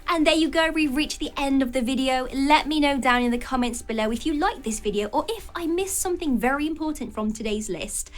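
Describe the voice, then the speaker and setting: High-voiced woman narrating advice. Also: fairly quick, hardly any pauses, soft background music. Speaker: channel narrator.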